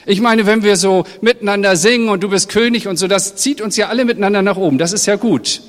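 A man's voice: high-pitched, quick pace. A middle-aged man, a pastor, giving a sermon in a direct, conversational way and speaking straight to his congregation. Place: church hall. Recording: long reverb of a church hall.

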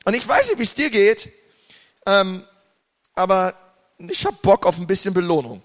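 High-voiced impassioned preacher in a hall. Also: male voice, very animated, normal speed. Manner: impassioned, swings from loud to quiet. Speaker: pastor. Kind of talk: sermon. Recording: long hall reverb.

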